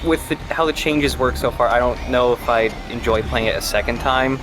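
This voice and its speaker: A man's voice: mid-range voice, normal speed, background noise. A man co-commentating on a video game in casual, informal chat, thinking aloud. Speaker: guest co-commentator. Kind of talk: casual let's play chat. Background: video game music.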